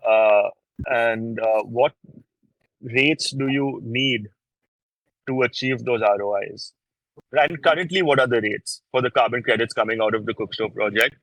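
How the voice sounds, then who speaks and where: A man's voice: mid-range voice, a bit bright, dry recording, poor audio. A man asking questions as an investor on an earnings call, insistently rephrasing what he wants to know.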